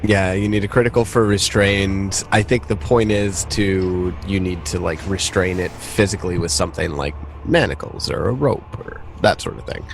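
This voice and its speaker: A man's voice: sits low, normal speed, hardly any pauses, slight background noise. A man casually narrating a tabletop game as game master, in informal, sweary language.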